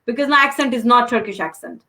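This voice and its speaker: Brief: young woman, high bright voice, earnest and advising, many fillers. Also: animated, fast talker, vocal fry. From Pakistan. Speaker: interview guest, master's student. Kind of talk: casual interview answers.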